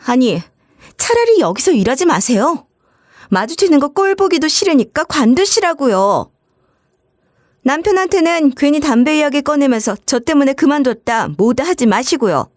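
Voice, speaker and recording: A woman's voice: very high-pitched, very animated, moderate pace, no room sound, studio quality, pitched above the performer's own voice. A woman voicing a rude, contemptuous young woman who mocks her sister-in-law and whines when she is crossed. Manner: mocking, contemptuous.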